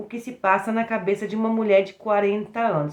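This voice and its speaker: Fairly even intonation in a normal speaking voice. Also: woman. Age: 40s. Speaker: relationship vlogger. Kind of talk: casual vlog storytelling.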